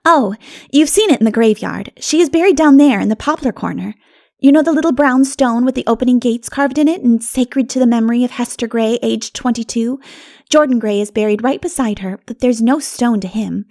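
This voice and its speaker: A woman voicing a lively, gossipy country girl who tells local tales in an audiobook. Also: on the high side, brisk, lightly acted. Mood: eager, chatty. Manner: animated, gossipy.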